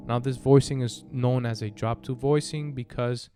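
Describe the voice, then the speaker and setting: A man giving a casual piano lesson, explaining step by step in a halting way with frequent check-ins. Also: medium pitch, steady tone. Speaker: piano tutor. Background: piano chords played alongside the voice.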